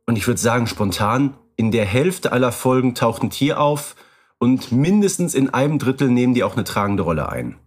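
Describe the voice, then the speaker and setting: A man's voice: medium pitch, big pitch swings, normal speed, slightly rough. A man co-hosting a podcast, talking conversationally with precise, slightly formal turns of phrase. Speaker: podcast co-host.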